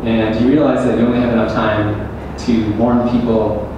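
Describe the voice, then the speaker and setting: A young adult man, a student debater, posing measured leading questions with hesitant fillers. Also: mid-range voice, flat delivery, dull audio. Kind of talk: formal debate, cross-examination. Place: large echoey university hall. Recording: echoey hall, distant mic, background noise.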